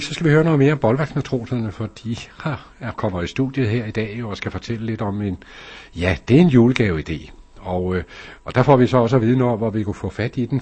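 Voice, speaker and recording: A man's voice: lowish voice, a little mellow, husky. A man hosting a local radio show from the studio, chatting casually and rambling with many fillers.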